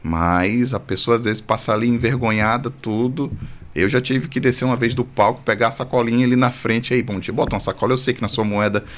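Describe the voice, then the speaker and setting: A man who is a priest, a podcast guest born in Brazil, telling his story in an earnest, animated way with light humor, recorded in a studio. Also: mid-range voice, a little fast, slight background noise. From Brazil, born in Salvador. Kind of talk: testimony in casual conversation.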